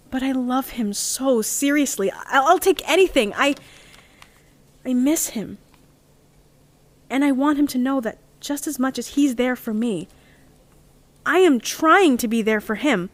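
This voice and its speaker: A woman's voice: on the high side, close to an everyday voice. A woman playing an earnest, lovestruck young member of a heist crew in an audio drama, speaking in a heartfelt, confessional way. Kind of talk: audio drama monologue and dialogue.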